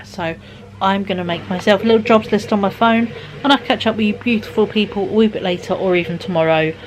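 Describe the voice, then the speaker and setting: A tired-sounding woman with a lowish voice rambles through a home vlog, phone at arm's length, using lots of fillers and slipping into whispers now and then. The recording is rough, with slight background noise.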